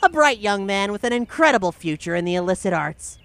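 A woman's voice: mid-range voice, big pitch swings, a little fast, fairly bright tone, a little hiss or hum. A woman playing a defiant, wisecracking teenage boy thief in a roleplayed audio drama. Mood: sly. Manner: wisecracking, insolent, slangy.

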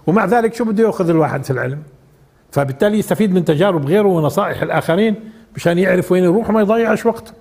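Older male Quran teacher, high pitch, conversational lecturing. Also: a little mellow, breathy edge. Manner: conversational, asks the audience questions. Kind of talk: informal religious lesson.

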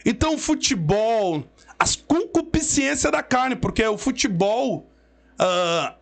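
A man's voice: very high voice, expressive, takes it slowly, gravelly. A man with a Southern Brazilian gaúcho accent giving an emphatic, preacherly religious testimony as an interview guest. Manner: emphatic, preacherly, quotes scripture. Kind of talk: emotional storytelling testimony.

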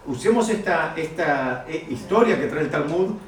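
A man teaching a Talmud story to students, animated and repeating key phrases. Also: a little high, normal speed, a little hiss or hum. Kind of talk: lecture to students. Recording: echoey room, mic far off.

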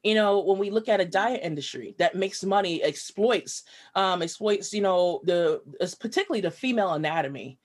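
A woman speaking as an interview guest, a writer and activist. Her delivery is earnest and reflective, with frequent fillers. She is at a middle pitch. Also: expressive, moderate pace, hardly any pauses. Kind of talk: conversational interview storytelling.

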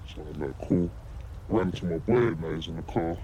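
Man with a disguised deep voice. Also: moderate pace, warm tone, a little hiss or hum. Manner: cocky, smug street talk. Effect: disguised voice, pitched down deep. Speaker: anonymous interviewee. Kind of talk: documentary interview.

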